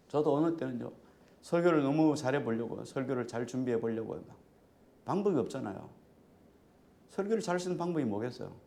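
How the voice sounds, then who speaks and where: A man's voice: on the high side, gravelly, darkish tone. Conversational male pastor preaching. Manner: conversational preaching, asks the congregation questions. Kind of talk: sermon.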